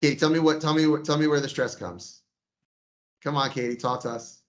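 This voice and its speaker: Energetic male sales trainer. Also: fairly high pitch, fairly quick. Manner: energetic, coaching, acts out sample calls.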